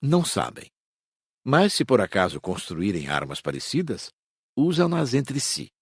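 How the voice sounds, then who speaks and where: Male actor as authoritative spirit mentor, audiobook: lively intonation, roughened voice, Brazilian accent. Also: medium pitch, unhurried, dry recording, studio quality, exaggerated voice. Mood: calm, instructive. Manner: didactic, authoritative. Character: firm, instructive male spirit guide leading students. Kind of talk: audiobook character acting.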